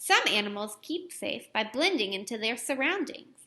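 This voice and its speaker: A woman does a put-on character voice, fairly high in pitch and gentle in tone, with very wide pitch swings. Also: moderate pace. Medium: read story. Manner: gentle, instructive.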